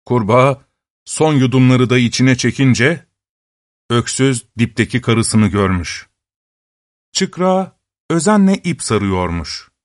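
A man's voice: medium pitch, animated, dry recording. Man telling a fairy tale, dry sound. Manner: measured, unhurried storytelling. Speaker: storyteller.

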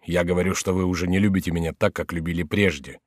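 A man's voice: sits low, steady tone, fast talker, no room sound, clean studio sound. A man voicing a volatile, anguished adult male king in a storybook reading. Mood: agitated. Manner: agitated, imploring, wrathful.

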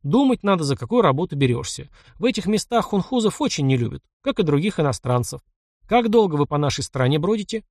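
A man's voice: fairly high pitch, big pitch swings, fast talker, darkish tone, no echo, studio quality, pitched above the performer's own voice. A man voicing a sly, ruthless young frontier fighter who talks in mocking, clipped commands. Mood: sharp questioning.

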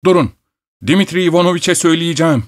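A man's voice: a little high, fast talker, voice pushed up, natural voice. A man voicing a fussy male house servant who complains in a raised voice in an audiobook. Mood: urgent.

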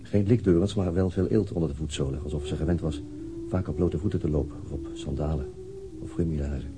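An actor playing a weary, taciturn police detective in a radio drama, husky and terse in manner. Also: male voice, extremely low pitch, fast, music in the background. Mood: brooding. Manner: terse, subdued.

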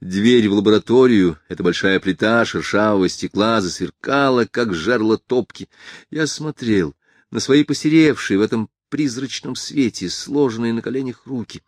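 Low-voiced male audiobook narrator. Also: moderate pace, no echo, clean studio sound. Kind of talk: first-person literary audiobook reading.

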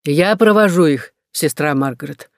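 A man voicing a calm young native guide who speaks firmly and directly. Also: a little high, normal speed, no room sound, clean studio sound, lightly acted.

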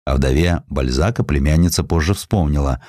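A man reading a historical sketch as a scripted literary narration, in a measured, expressive storytelling manner. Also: rumbling low, no echo, clean studio sound. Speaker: audiobook narrator.

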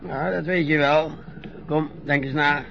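A frail old ex-sailor grumbles and hesitates in a gravelly, rough-edged voice pitched a little high for a man. The radio play has a dull, lo-fi sound. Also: steady tone, unhurried, a little hiss or hum. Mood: grumbling. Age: older. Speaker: elderly former sailor being bathed.

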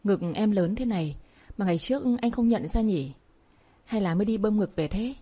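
A woman's voice: mid-range voice, normal speed, dark tone, husky, natural voice. A woman reading a leering, crude ex-boyfriend. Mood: mocking. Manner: mocking, crude taunts. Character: leering arrogant young male ex-boyfriend.

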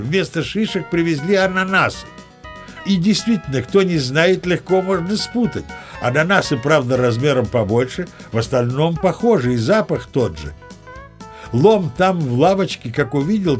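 An actor playing a boastful old sea captain who narrates his tall tales with chatty, old-fashioned courtesy. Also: medium pitch. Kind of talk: audio play narration.

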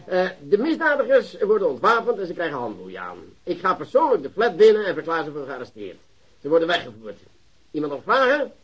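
An actor playing a pompous, commanding prosecutor briefing policemen in a radio drama. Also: male voice, sits high, wildly swooping pitch, brisk, husky, dull audio, full character voice. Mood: self-satisfied, dictating. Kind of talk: Dutch radio drama acting.

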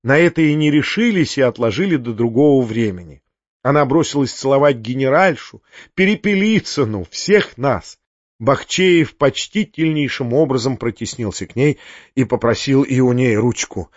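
A man narrating a classic novel as an audiobook, telling it in a lively way. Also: mid-range voice, normal speed, no echo, highs cut off. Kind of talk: scripted narration.

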